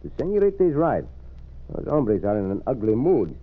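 An actor playing a bold, gallant Western gunslinger with a Hispanic accent, commanding and courtly, in old-time radio style. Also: male voice, medium pitch, huge pitch swings, a little fast. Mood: gallant, assured. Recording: muffled, noisy vintage radio recording.

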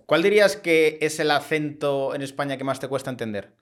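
Man, podcast host, rapid speech, bantering, a bit higher pitched. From Spain. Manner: bantering, asks short questions. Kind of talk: casual interview chat.

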